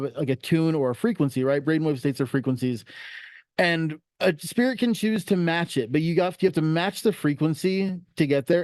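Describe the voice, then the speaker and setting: Man, panel guest, dark mellow voice, smooth, rambling storyteller. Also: fairly high pitch, dry recording. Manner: rambling storyteller, self-doubting aside. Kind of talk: casual panel discussion.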